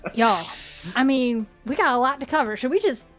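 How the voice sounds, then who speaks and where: High-voiced woman co-hosting a live show. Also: expressive, fairly quick, a bit bright, soft background music. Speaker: co-host of a live cryptid talk show. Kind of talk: lively casual live show chat.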